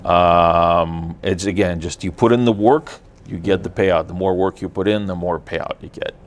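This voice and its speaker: A Ukrainian man whose first language is Russian speaks in a deep, steady voice. He's a guest explaining blockchain technology in casual interview answers, halting often with fillers and restarts.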